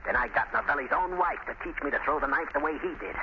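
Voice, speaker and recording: A man's voice: a little high, quick pace, natural voice. An actor playing a bitter, gloating, cornered murderer, a male doctor, with intense melodramatic delivery in a 1930s radio play. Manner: theatrical, intense, villainous. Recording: muffled, faintly noisy 1930s radio recording.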